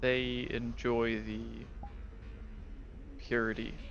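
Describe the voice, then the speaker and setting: Clear background noise sits under the recording. A man is doing a put-on character voice. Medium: game stream. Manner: matter-of-fact.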